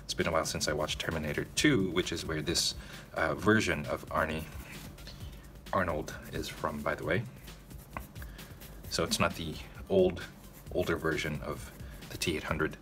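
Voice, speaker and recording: A man's voice: rumbling low, fairly even intonation, normal speed, a bit bright, soft background music. A man hosting a narrated drawing tutorial, talking casually to viewers and checking in with them often. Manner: casual, addresses viewers directly, frequent "okay?" check-ins.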